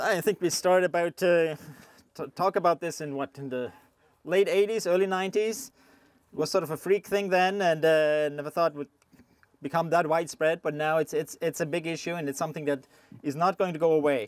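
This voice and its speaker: This man's voice sits high, with ordinary pitch variation, at a fairly quick pace. The sound is dry with no echo, over a quiet background. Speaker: presenter. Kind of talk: field day presentation. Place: open country. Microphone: handheld.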